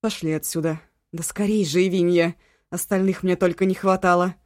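A woman doing a panicked, shrill young woman. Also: steady tone, moderate pace, no room sound, clean studio sound, natural voice. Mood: urgent. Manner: shrill, desperate shouting.

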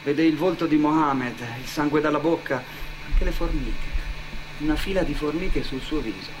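A man's voice: a little high, moderate pace, noisy background. A man working as an actor-narrator, telling a story in dramatic theatre style. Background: music under the voice.

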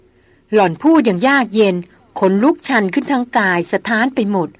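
A woman's voice: mid-range voice, animated, brisk, dry recording. Woman narrating a novel, dry close sound. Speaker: audiobook narrator.

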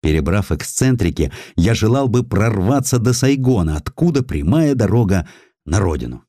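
A man's voice: on the low side, very animated, normal speed, warm tone, dry recording, studio quality. A man voicing a bold, composed Russian naval lieutenant in an audiobook, courteous, formal and firm. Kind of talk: audiobook character acting.

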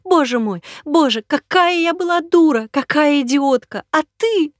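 A hysterical young woman shrieks and sobs in a high, strained voice, as a woman reader puts her on. She sounds frightened and hostile at once. The audiobook sound is dry and close. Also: animated, unhurried, no echo. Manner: shrill, sobbing, screaming accusations.

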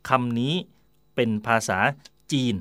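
A man hosting a radio talk slot, chatting in a digressive way about where words come from, with fillers and quick self-corrections. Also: bright, forceful tone, no room sound, studio quality. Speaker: radio host. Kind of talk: explaining word origins in casual talk.

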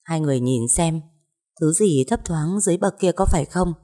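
A woman's voice: deep voice, mellow. Woman doing an anxious, hurrying young woman. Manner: hurried, urging.

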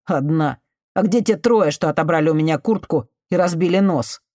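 A woman reading an audiobook voices a desperate young man who answers with bitter sarcasm and often breaks into shouting. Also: low-pitched, normal speed, no echo, studio quality.

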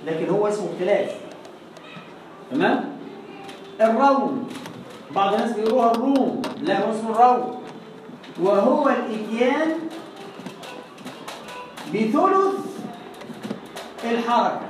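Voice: medium pitch, animated, a little hiss or hum. Egyptian teacher in a very echoey room. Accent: Egyptian Arabic. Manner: recites example words slowly and repeats them to demonstrate. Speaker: Quran recitation teacher. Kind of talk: classroom lesson with recited examples. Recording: echoey room, voice far from the mic.

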